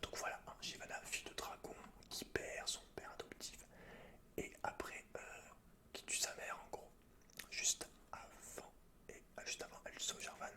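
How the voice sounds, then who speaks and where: A man reading game lore in a soft, hushed, breathy whisper, as the host of an ASMR gaming video. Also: moderate pace.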